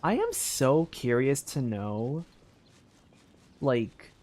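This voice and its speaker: A young man streaming a story game, thinking out loud in a loose, rambling way with lots of filler words and restarts. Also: medium pitch, big pitch swings, drawn-out words. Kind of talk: casual live-stream commentary.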